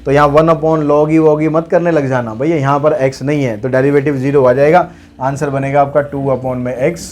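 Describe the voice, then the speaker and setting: A man's voice: a little high, flat delivery, moderate pace, a little mellow. A man teaching a maths lesson, working through problems step by step and asking and answering his own questions. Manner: explains steps aloud, asks and answers his own questions.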